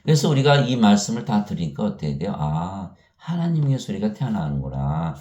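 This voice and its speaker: A man's voice: fairly low pitch, sing-song, fairly quick, warm tone, reverberant. A man preaching a sermon who asks his listeners questions and answers them himself, now and then quoting scripture in a solemn tone. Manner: quotes scripture in an elevated tone. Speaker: pastor.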